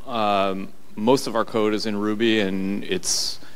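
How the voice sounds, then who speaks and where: A man's fairly low-pitched voice in a flat monotone. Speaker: conference panelist. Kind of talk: panel answer. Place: hall. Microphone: handheld.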